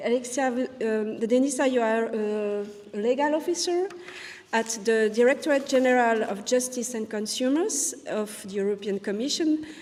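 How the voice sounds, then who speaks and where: With a French accent, the speaker talks at a moderate pace with ordinary pitch variation, amid audible room echo and noticeable background noise. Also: woman, high pitch for a woman. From French-speaking Switzerland. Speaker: panel chair at academic conference. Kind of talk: conference panel introduction.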